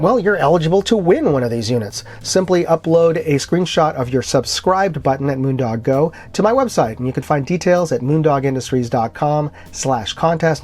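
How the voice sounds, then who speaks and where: A product reviewer and channel host demonstrates gear in a casual review, explaining things informally with colloquial phrases. His voice is a little high and a little mellow.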